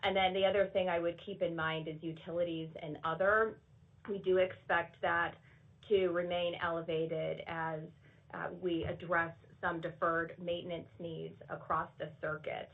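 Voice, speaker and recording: A woman with a fairly low voice and noticeable vocal fry speaks as a finance executive answering analysts. The audio is tinny, like a telephone line. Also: flat delivery, moderate pace. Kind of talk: prepared-sounding earnings call answer. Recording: tinny phone-like conference audio.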